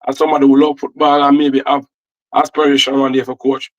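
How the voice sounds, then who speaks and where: A Jamaican man in casual talk about football coaching, circling back and repeating himself as he explains. His voice sits at an ordinary mid pitch. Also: completely flat delivery, fast. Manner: rambling, repeats words. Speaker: football analyst and co-host. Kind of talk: casual chat.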